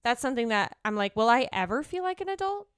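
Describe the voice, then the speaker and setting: A woman in her twenties from the United States, chatting casually as a podcast co-host, full of fillers and quick laughs. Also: fairly high pitch, very animated, clear, resonant tone, no echo, clean studio sound. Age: 20s. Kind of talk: casual chat.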